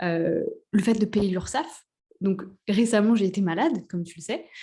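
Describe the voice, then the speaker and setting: Somewhat breathy and dark, mellow in tone, the voice carries lively intonation at a moderate pace over a quiet background. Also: woman. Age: 30s. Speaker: entrepreneur, podcast guest. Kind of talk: casual interview conversation. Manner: hesitant, many fillers.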